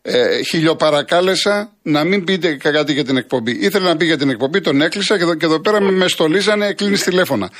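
A man's voice: a little high, lively intonation, fairly bright tone. A man hosting a call-in radio show, polite and conciliatory with his callers. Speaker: radio host.

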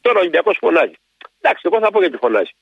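A man phoning in to a radio show, speaking with indignation and emphasis, his gravelly, husky voice rising and falling in a lively way. He repeats his points. The call sounds dry and dull, as if over a phone line. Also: sits high, no room sound. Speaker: caller.

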